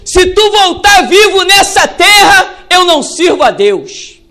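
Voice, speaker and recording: Defiant male biblical prophet, put on by a Brazilian pastor in a sermon, Brazilian Portuguese accent, sharp high tone, blunt. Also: very animated, normal speed, exaggerated voice. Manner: blunt, challenging.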